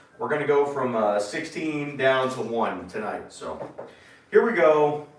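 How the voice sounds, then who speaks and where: Noticeable background noise and audible room echo around lively intonation. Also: man. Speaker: podcast host. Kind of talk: casual chat.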